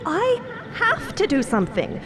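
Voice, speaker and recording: A woman's voice: very high voice, wildly swooping pitch, a little slow, music in the background, full character voice. A woman playing an anxious young niece in a fiction podcast, earnest and rambling in her worries. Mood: fretful. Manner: rambling, breathless run-on worrying.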